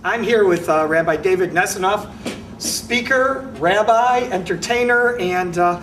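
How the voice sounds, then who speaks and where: A man's voice: high-pitched, measured pace. Rambling male host, distant mic. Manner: rambling, many "uh" fillers. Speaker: talk show host. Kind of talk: interview questions. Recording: distant mic with faint noise.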